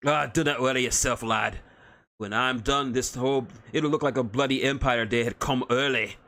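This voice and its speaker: A man voicing a gruff, bickering male dwarf with a rough, whiskey-soaked Irish-Scottish brogue. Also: mid-range voice, fairly even intonation, moderate pace, sharp tone, pitched above the performer's own voice. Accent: Irish-Scottish put-on brogue. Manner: boisterous, bickering.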